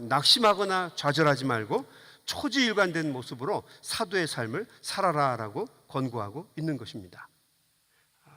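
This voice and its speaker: A man's voice: on the high side, sharp tone. A man preaching a sermon as pastor, fervent, with repeated phrases and small fillers. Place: church sanctuary. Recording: long church reverb.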